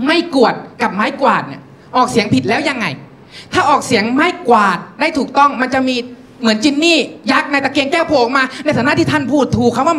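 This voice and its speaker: A man from northeastern Thailand performing a live stand-up set, telling stories and slipping into character voices, speaking into a handheld mic. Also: very high-pitched. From Nakhon Ratchasima, Thailand. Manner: storytelling, animated voices, polite particles. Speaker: stand-up comedian.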